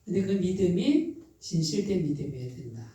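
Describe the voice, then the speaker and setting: A pastor with a Chungcheong accent delivers a midweek sermon in a call-and-response way, asking the congregation questions and supplying the answers. Key phrases are repeated slowly and softly for weight. The voice sounds very dark and mellow, and it reaches the mic from a distance across a hugely echoing church sanctuary. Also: mid-range voice, expressive. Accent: Chungcheong Korean. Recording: very echoey hall, voice from a distance.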